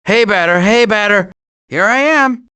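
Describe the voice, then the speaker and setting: An actor voicing a cocky, wisecracking animal adventurer in an animated video game, with a breezy, glib delivery. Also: male voice, high-pitched, unhurried, smooth. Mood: playful.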